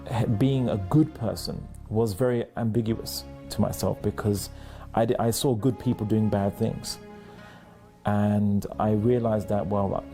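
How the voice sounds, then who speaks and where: A young man, talking through his life story in a slow, thoughtful way, stopping often to restart his sentences. His voice sits low and has a gravelly edge. Soft music plays faintly under him. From London, England. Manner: halting, many restarts and fillers, thoughtful. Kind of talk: personal testimony, reflective storytelling.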